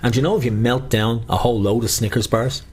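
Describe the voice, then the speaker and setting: A man's voice: mid-range voice, steady tone, fast, a little mellow, slight background noise. A man working as a bingo caller, chatting with players and calling numbers with rhyming nicknames, repeating each one. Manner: chatty, bantering with players and co-host.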